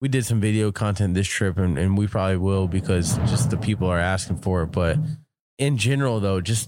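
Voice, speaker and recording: Here is a plain, everyday voice: a man with an American accent. He speaks at a moderate pace with ordinary pitch variation. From East Coast of Florida, US. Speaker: podcast host, cannabis brand founder. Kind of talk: casual chat. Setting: Airbnb in Amsterdam.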